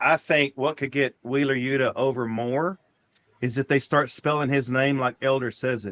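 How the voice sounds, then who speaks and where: This man talks with an American accent. His voice sits at a medium pitch. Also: fairly even intonation, moderate pace. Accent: Texas accent, people remark on it. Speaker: wrestling podcast co-host. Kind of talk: casual chat.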